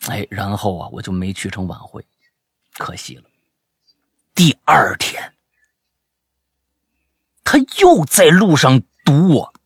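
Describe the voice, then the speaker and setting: A man telling a comic story, animated and exclamatory, peppering his speech with filler sounds. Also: lowish voice, slow pace, long pauses, breathy edge, no echo, clean studio sound. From Beijing.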